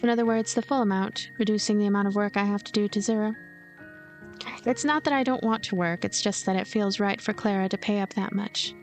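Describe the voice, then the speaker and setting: A woman's voice: medium pitch, steady tone, brisk, soft background music, close to an everyday voice. A woman voicing a lonely, cynical, manipulative girl who narrates a visual novel in a detached, coaxing way. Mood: detached, calculating.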